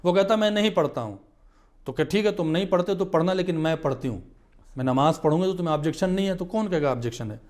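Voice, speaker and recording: A man speaks as a guest on a studio talk show, earnest and emphatic as he explains his point. His voice sits a little higher than most men's. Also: darkish tone. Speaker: religious scholar guest.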